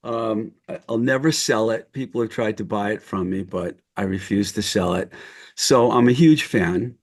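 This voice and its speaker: A man's voice: lowish voice, moderate pace. A man hosting a casual podcast interview, eager and admiring as a fan. He often restarts and rephrases his questions mid-sentence. He speaks over a video call. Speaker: podcast host.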